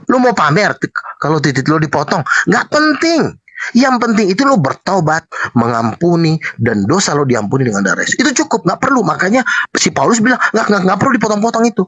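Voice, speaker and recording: A man's voice: sits high, fairly bright tone, dry recording. A man arguing heatedly in a debate, combative and preachy, with slangy street talk.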